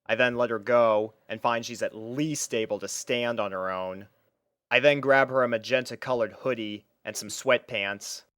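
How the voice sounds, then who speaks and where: A young man narrates a first-person story from a script. His voice is smooth and clean, with a medium pitch, recorded close and dry. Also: steady tone, moderate pace, a bit bright, no room sound.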